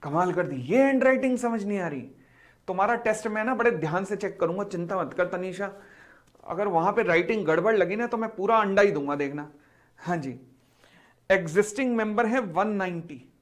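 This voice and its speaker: A man's voice: high-pitched, moderate pace. A middle-aged man teaching a live online class, telling a story and acting out the dialogue while teasing his students. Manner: animated, acts out dialogue, teases students. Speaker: commerce teacher.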